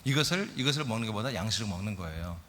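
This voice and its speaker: A middle-aged male pastor preaching a lively sermon, often asking his congregation questions. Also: on the low side, racing, slight background noise. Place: church sanctuary. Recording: church hall reverb.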